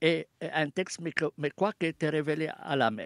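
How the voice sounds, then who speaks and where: A man's voice comes through with a dry sound and no echo. The background is quiet. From Palestine. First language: Arabic (speaking French). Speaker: professor and Quran translator; professor. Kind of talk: radio interview. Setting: remote studio link. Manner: hesitant, many fillers. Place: studio.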